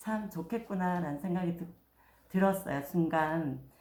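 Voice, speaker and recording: A woman talks fairly slowly at a fairly low pitch, with ordinary pitch variation. Audible room echo and noticeable background noise are present. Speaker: daycare teacher, class participant. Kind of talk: self-introduction.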